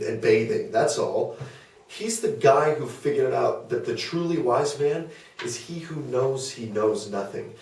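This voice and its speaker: A man's voice: medium pitch, natural voice. A man playing an earnest, exasperated disciple in a comedic table read, protesting with some hesitation. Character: earnest, exasperated male disciple defending his revered philosopher. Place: small indoor meeting room. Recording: roomy, distant meeting-room pickup.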